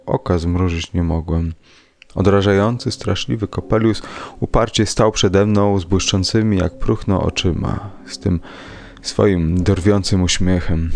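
A man reading a classic horror story aloud in a measured, dramatic storytelling manner. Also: deep voice, creaky, darkish tone. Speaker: podcast reader. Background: faint music.

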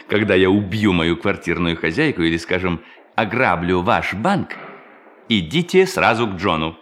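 Glib, swooping low-voiced young charmer. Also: male voice, unhurried. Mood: jovial, teasing. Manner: jovial, flattering, theatrical. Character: charming, glib, scheming young male bank clerk. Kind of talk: Russian radio play acting.

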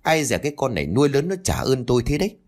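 A man's voice: mid-range voice, very animated, rapid-fire, a little mellow. A man voicing an angry old grandfather who curses bluntly. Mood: bitter. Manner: cursing, blunt.

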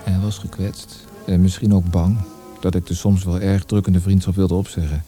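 An actor in a Dutch radio drama playing a reserved, reflective young poet with a measured, courteous manner. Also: male voice, deep voice, little pitch movement, warm tone, faint music behind, lightly acted. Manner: measured, courteous, somewhat hesitant.

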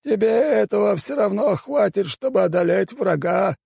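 A scheming old shaman elder for an audiobook, pitched far above his own voice, with gravelly fry and a husky, breathy edge. He drags his words out and swings widely in pitch, sounding dismissive. The recording is close and dry. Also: animated, warm tone, no echo, full character voice. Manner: drawn-out, strained high voice. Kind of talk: audiobook character voice.

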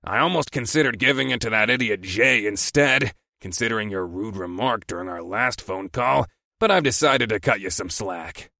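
A man voicing a gruff, impatient male boss with a harsh, rusty growl and a curt, snide way of talking. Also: on the low side, lively intonation, normal speed, pushed and bright, no room sound, studio quality, exaggerated voice.

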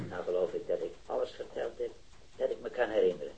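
Earnest witness, very animated voice. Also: male voice, fairly low pitch, brisk, creaky, poor audio. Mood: recalling carefully. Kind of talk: radio drama acting.

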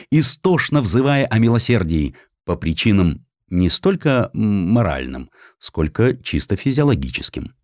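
A man's voice: mid-range voice, darkish tone, no echo. A man narrating historical sketches with theatrical, ironic delivery at a close studio microphone.

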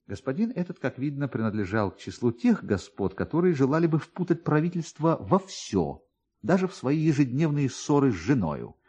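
A man reading a satirical literary story for radio in a theatrical, expressive way, with pointed pauses and emphasis. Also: medium pitch, slightly rough. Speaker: narrator, actor reading a classic satirical story. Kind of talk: dramatic literary narration for radio.

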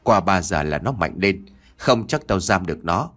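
A man's voice: sits low, expressive, normal speed, a bit bright. A man doing a stern old exorcist. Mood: urgent.

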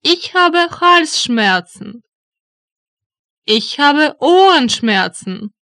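A woman reading German phrases slowly and deliberately for learners, repeating each one. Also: high-pitched, very animated, bright, forceful tone, no echo, clean studio sound. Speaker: German language teacher voice. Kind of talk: slow phrase drills for learners.

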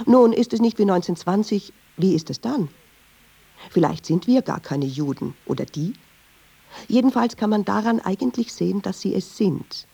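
A woman's voice: medium pitch, animated, moderate pace, creaky, warm tone, slightly rough. An actress playing a chatty, ironic Jewish woman who tells restless, digressive, insistent stories in a radio drama. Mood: ironic, musing. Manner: wry, digressive, insistent storytelling. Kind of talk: radio drama monologue in dialogue.

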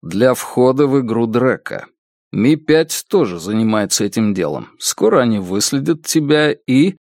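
A man voicing an unsmiling detective in an audiobook, speaking calmly and bluntly. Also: medium pitch, normal speed, dry recording, studio quality. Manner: calm, level, unsmiling. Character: blunt calm male detective, unsmiling, relentless.

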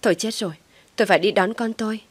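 A woman voicing a distraught young mother who cries out in shrill outbursts. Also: rapid-fire, slightly rough, no room sound, lightly acted.

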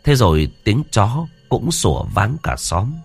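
A man's voice: fairly low pitch, sing-song, a little slow, gravelly, husky, dry recording, soft background music. A man narrating a ghost story in a vivid, colloquial way.

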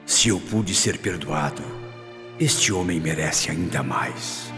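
A man's voice: rumbling low, expressive, takes it slowly, heavily acted. An actor playing a humbled, repentant father in a radio soap opera, speaking earnestly and conciliatorily. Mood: contrite. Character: humbled, repentant father restraining his anger. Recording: long reverb, music over voice.

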